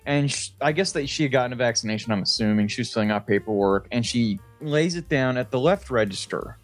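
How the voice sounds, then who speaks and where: A man co-hosting a comedy podcast, telling casual, profane anecdotes in a chatty, animated way. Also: mid-range voice, fast, soft background music. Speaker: podcast co-host. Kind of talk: casual comic storytelling chat.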